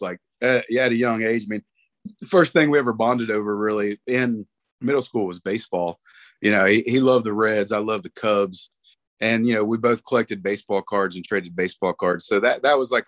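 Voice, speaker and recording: A man's voice: fairly low pitch, normal speed, a bit bright, no room sound. A man talking casually about an old friend, rambling with many fillers. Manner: rambling, lots of "you know". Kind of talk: casual conversation.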